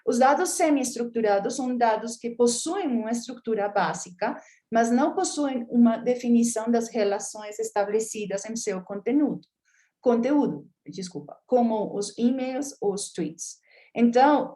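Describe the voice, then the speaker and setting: Her voice is fairly high and mellow as she delivers an academic lecture with slides. The lecturer sounds hesitant throughout, using frequent fillers while hunting for the right words.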